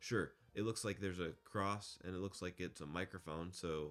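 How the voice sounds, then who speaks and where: Over music in the background, a man speaks with a very deep, low pitch and ordinary pitch variation. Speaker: podcast co-host. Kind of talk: casual discussion. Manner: fast.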